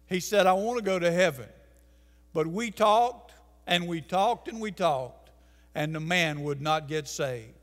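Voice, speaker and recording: An older man preaches in a church sanctuary, his voice pitched high for a man. He presses his points hard and slows down on the phrases he wants to land. The sound rings out with a long reverb from the room. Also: animated. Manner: emphatic preaching, slowing for key phrases, gesturing at pulpit. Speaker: pastor. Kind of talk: sermon. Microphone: pulpit mic.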